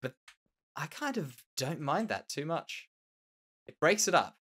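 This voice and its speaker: This Australian Minecraft let's play host has a slightly high, husky, somewhat bright voice that swings widely in pitch and moves a little slowly. Nasal and a bit tender, he muses and repeats words while casually commenting on his own build.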